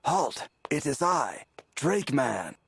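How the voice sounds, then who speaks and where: A pompous husky cartoon hero. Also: male voice, mid-range voice, big pitch swings, slow, fairly bright tone, no room sound, exaggerated voice. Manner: pompous, declamatory. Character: pompous male cartoon hero in a home play. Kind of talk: cartoon voice acting.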